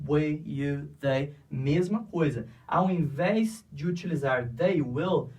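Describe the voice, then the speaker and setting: A man's voice: a little high, recorded from a distance. A man with a Brazilian Portuguese accent teaching an English grammar lesson, patiently repeating each step and checking that students follow.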